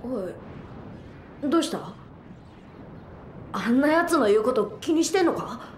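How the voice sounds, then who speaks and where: A woman playing a brash, protective young boy in a Japanese audio drama, speaking in a rough, blunt boyish way. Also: high voice, sing-song, takes it slowly, reverberant, a little hiss or hum, full character voice. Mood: reassuring, earnest.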